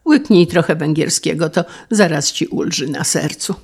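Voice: mid-range voice, moderate pace, vocal fry, husky. A narrator voicing a jovial middle-aged carriage manufacturer who asks hearty, teasing questions in an audiobook. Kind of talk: audiobook character reading.

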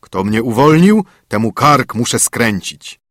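A towering spirit just let out of a bottle, booming slow and menacing in a husky voice, as a man reading a storybook puts him on. His threats rise and fall widely in pitch. The recording is dry and close, with no room sound. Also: very animated, a bit bright, no echo. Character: huge boastful male spirit freed from a bottle.

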